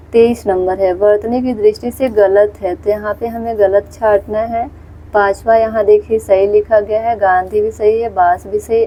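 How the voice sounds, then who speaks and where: A woman from India teaches a Hindi spelling lesson, working through one exam question after another. She explains patiently, repeats each word, and keeps pointing students to what is on the screen. Her voice is mellow and dark with a faint huskiness. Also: medium pitch, rough recording.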